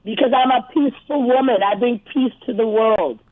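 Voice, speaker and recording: Uganda की एक महिला, रेडियो पर फ़ोन करती हुई, पतली फ़ोन-लाइन जैसी आवाज़, धैर्य से बात दोहराती।. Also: female voice, on the high side, brisk. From Uganda. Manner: patient, spells and repeats her words. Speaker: caller. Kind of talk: phone-in chat. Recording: tinny phone line.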